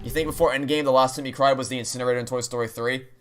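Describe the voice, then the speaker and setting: Game music fills the background as a man streams a video game, speaking rapid-fire in a mid-range voice with fairly even intonation. His talk is casual and rambling, peppered with dry sarcasm.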